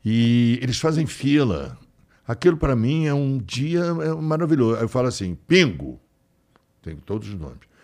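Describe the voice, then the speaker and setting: A man from Rio talking as a guest in a casual interview, rambling warmly with many restarts. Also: mid-range voice, expressive, normal speed. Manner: warm, rambling, affectionate storyteller with frequent restarts.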